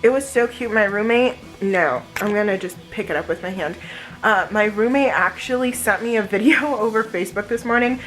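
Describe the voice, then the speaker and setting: A woman's voice: medium pitch, brisk, fairly bright tone, faint music behind, rough recording. A woman vlogger chatting casually and informally to her viewers in a day-in-the-life style.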